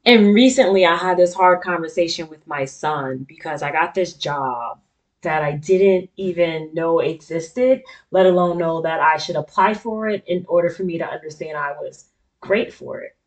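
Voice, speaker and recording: A woman's voice: lowish voice, moderate pace. A middle-aged woman with an African American accent hosting a casual, candid monologue in an informal, slangy, conversational way. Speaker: talk show host. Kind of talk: casual personal monologue to an audience.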